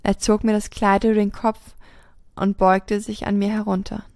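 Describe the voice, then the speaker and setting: A woman reading a first-person erotic story aloud, with steady, even narration. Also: medium pitch, moderate pace, dry recording, clean studio sound. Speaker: podcast host reading a story.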